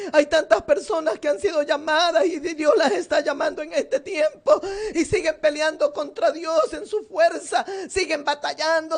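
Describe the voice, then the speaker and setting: A woman evangelist preaching a sermon with emotion, often close to tears. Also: high-pitched. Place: seated indoors.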